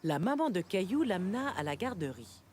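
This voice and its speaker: A woman playing the kindly storyteller of a preschool cartoon, narrating in clearly phrased sentences. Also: medium pitch, big pitch swings, a little fast, close to an everyday voice. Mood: kindly storytelling. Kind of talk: scripted children's story narration. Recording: loud music behind the narration.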